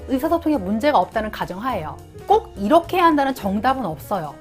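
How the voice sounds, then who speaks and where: Woman youtuber, kinda high voice, bouncy, explaining english words, soft music behind. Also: big pitch swings, quick pace. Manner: friendly, explains English usage in Korean. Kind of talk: casual explanatory vlog.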